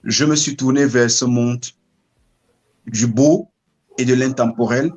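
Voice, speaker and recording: A middle-aged man from Cameroon, telling his story as an interview guest in a measured, reflective way, often pausing to search for words. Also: medium pitch, steady tone, a little mellow, muffled recording.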